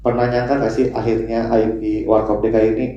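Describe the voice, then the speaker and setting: Male reporter, low mellow voice, dull echoey sound, faint noise. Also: flat delivery, quick pace. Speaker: journalist asking a question. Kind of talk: press question.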